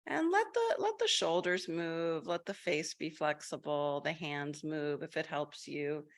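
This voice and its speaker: A woman leading a group meditation over a video call, talking gently with many fillers and restarts. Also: low-pitched, lively intonation, measured pace. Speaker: meditation guide.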